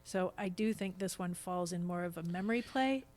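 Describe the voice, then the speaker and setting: A woman's voice: on the low side, moderate pace, a little mellow. An American woman in her fifties talking casually as a podcast guest, explaining things with examples. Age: 50s.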